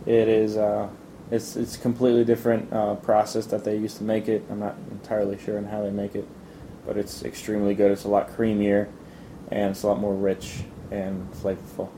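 A young man answers interview questions in a relaxed, stop-and-start way, filling the gaps with ums and uhs. His voice is deep-toned and very mellow. A faint rumble sits under the recording. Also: poor audio. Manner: relaxed, halting, many fillers and restarts. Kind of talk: casual interview.

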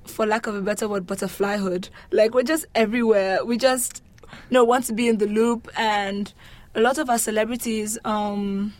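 A young woman from Lagos speaks with a Nigerian accent in a relaxed interview. She is chatty and expressive, answering with a humorous touch. Her pitch sits in an ordinary range for a woman. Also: normal speed. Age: young adult. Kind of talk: casual interview chat.

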